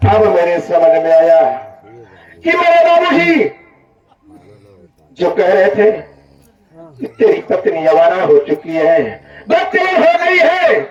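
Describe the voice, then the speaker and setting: A man playing a grief-stricken village husband and father in folk stage theatre, declaiming in a drawn-out lament. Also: high voice, sing-song, full character voice. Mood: anguished. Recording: dull far-off echoey stage recording with loud music.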